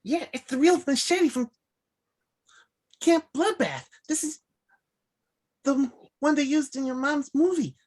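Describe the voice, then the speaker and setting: Woman as high-voiced, awkward horror superfan. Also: expressive, measured pace, pauses often, darkish tone. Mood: eager, confiding. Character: awkward, eager horror-film superfan Duncan, a young man. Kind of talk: screenplay table read.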